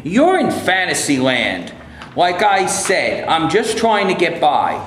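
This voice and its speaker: Male reader as a curt white actor who talks down to others; a lively, animated delivery with a lot of room echo. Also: fairly high pitch, takes it slowly, exaggerated voice. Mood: dismissive. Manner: curt, condescending. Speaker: actor in a staged reading. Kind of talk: staged play reading. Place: stage before a live audience. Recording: very echoey room, faint noise.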